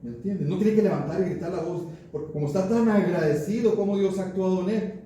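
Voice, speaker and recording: A male pastor preaches in a chatty way, tossing rhetorical questions at the congregation. His voice is dark and mellow, picked up from a distance in a heavily echoing church. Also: sits high, fast, slight background noise. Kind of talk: sermon. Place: church hall. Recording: far-off mic in an echoey church.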